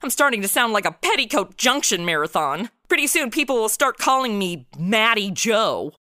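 A woman's voice: a little high, normal speed. A woman playing a flippant, slangy modern young woman in her twenties in a comedy audio drama. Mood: wry. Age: 20s. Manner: flippant, expressive. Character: sassy, slangy modern twenty-something woman turned detective.

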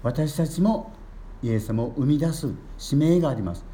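An older man, a Catholic priest giving a gentle storytelling sermon and lifting his voice on key words. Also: a little high, expressive, normal speed, a little hiss or hum.

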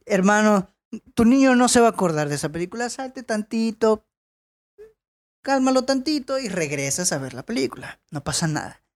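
A host with a Mexican Spanish accent who reads listener anecdotes aloud in casual chat. The host often drifts into tangents and gets worked up into rants. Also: medium pitch. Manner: chatty, goes off on tangents, gets worked up and ranting.

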